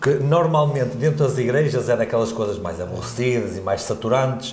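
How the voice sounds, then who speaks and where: Here a man talks with lively intonation at a moderate pace. The room echo is audible. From Portugal. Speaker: religious program host. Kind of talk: Bible study discussion. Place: studio.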